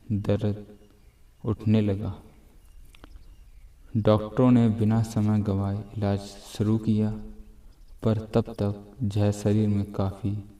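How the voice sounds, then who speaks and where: A man narrating a devotional story in a slow, measured storytelling manner. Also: on the low side, warm tone, far from the mic. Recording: roomy echo.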